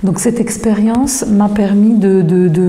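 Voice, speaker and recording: Over noticeable background noise and audible room echo, a woman with a Polish accent speaks at a fairly slow pace, her medium pitch held in fairly even intonation. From Poland. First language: Polish (speaking French). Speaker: university lecturer. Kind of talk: interview. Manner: hesitant, many fillers.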